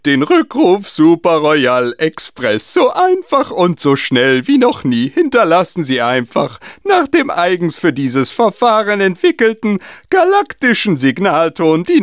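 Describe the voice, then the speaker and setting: Performer as an excitable, lively ad announcer. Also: mid-range voice, no room sound, studio quality. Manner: hyped sales patter. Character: excitable advertising announcer hyping a product. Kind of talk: mock advertisement.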